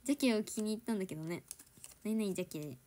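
In a mid-range, animated voice with a dark tone, a young woman fires off words rapidly during a home livestream. An idol with a Kansai accent, she chats casually with her audience, laughs often, and switches between standard Japanese and Kansai dialect.

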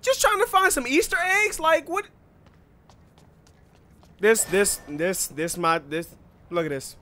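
A young man commentating his own gameplay, excitable and loud, cursing and repeating himself, his voice going hoarse. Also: high voice, slow pace. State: losing his voice. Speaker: gaming YouTuber.

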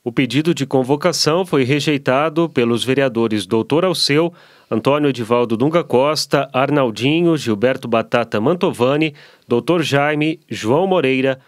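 A man co-presenting the news on a municipal radio station, reading in an even, formal way in a small studio. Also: medium pitch, normal speed, no room sound. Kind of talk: read news report. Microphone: studio microphone on arm.

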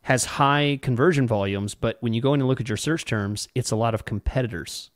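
Male podcast co-host, thirties, medium pitch, dry close-mic sound, casual explainer. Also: brisk, dry recording. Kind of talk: conversational explanation with examples. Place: home room, indoors. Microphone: podcast mic on boom arm, close.

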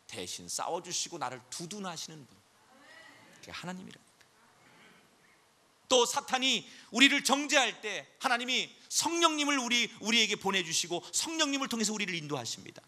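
A male pastor giving a sermon in an animated, storytelling manner. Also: high voice, moderate pace. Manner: animated storytelling preacher, acts out voices.

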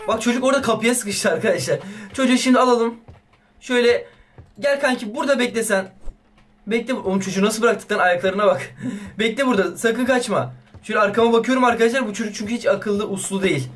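A young man with a very high voice narrates his horror-game playthrough. He is excitable and swears playfully at the baby in the game, in the manner of a YouTube let's play. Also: fast talker. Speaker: gaming YouTuber.

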